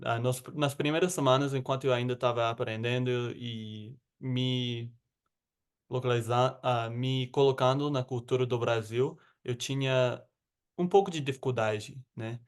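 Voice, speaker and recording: Give me an American man speaking Portuguese with a Rio accent, relaxed and rambling, mid-pitched. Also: unhurried, smooth. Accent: American, with Rio de Janeiro Portuguese. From United States. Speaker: guest. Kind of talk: casual interview chat.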